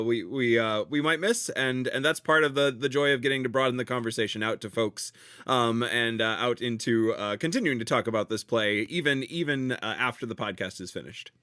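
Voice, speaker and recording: A man from the United States co-hosting a podcast, talking casually with halting fillers and repeats. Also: mid-range voice, a bit bright, no room sound, studio quality. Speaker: podcast co-host.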